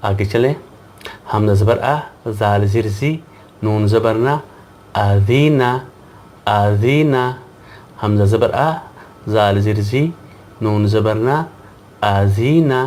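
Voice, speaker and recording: A man with a fairly low voice runs a slow, patient reading lesson for children. He spells out each letter and sound one by one and repeats every syllable so learners can follow. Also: darkish tone, a little hiss or hum. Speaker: Quran reading teacher.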